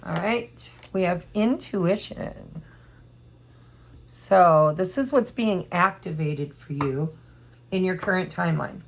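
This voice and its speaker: A woman doing a casual tarot reading to camera, hoarse from allergies, chatty and meandering as she thinks aloud. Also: lowish voice, slow pace, slight background noise, rough recording. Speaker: tarot reader.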